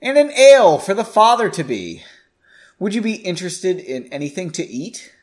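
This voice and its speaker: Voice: medium pitch, sing-song, moderate pace, voice pushed up, natural voice. Bubbly young tavern serving girl, polite, a narrator doing the voice. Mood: cheerful.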